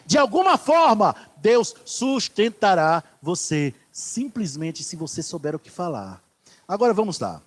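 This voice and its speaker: A pastor preaching a sermon in church, swinging from loud declarations to hushed asides. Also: male voice, sits high, big pitch swings, measured pace.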